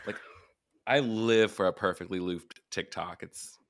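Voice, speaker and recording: A man, hosting a podcast in a playful, animated way full of fillers. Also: low voice, measured pace. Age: 30s. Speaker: podcast host. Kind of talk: casual chat.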